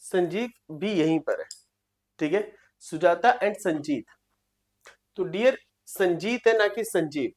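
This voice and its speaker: A woman teaching a seating-arrangement reasoning lesson online, reading problem lines slowly and checking in with her students. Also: on the low side, animated, a little mellow. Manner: reads problem lines slowly and repeats them, checks with "clear?". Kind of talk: online exam-prep lesson.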